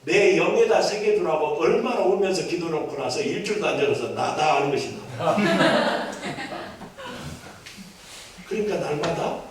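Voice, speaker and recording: A man's voice: a little high, animated, moderate pace, long pauses. A male pastor from Jeolla with a Jeolla Korean accent, preaching a sermon in a church. He is emphatic, repeats key phrases and calls for amens from the congregation. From Jeolla, South Korea. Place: church sanctuary. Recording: echoey hall, voice from far off.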